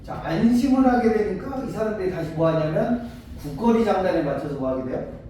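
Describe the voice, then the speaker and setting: A male tutor lectures a class in a high, animated voice with a mellow tone. He keeps checking in with his students and slips into short acted-out exchanges to make a point. The recording sounds echoey and distant, as if taken from across a classroom, with faint noise behind it. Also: fairly quick. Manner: asks students frequent check-in questions; acts out short dialogues to explain. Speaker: Korean literature tutor. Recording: echoey room, mic far off, faint noise.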